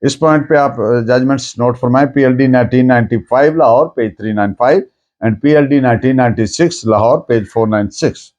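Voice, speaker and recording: A man with a Pakistani accent lecturing on law in a didactic, deliberate way, restating points in plain words and mixing in English terms. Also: medium pitch, darkish tone, muffled recording.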